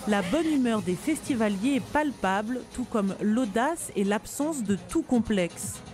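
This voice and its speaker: A woman reading a scripted news report in a measured, formal voice. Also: fairly high pitch, expressive, a little mellow. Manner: measured, formal voice-over delivery.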